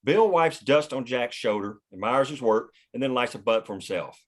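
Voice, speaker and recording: A man's voice: mid-range voice, lively intonation, normal speed. A man reading out scripted action lines as the narrator of a screenplay table read. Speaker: stage directions reader directing the read.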